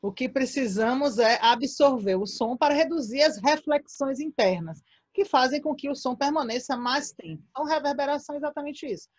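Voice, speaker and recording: A woman specialist explaining room acoustics in a calm, patient way. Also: high voice, brisk. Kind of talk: explanatory casual chat.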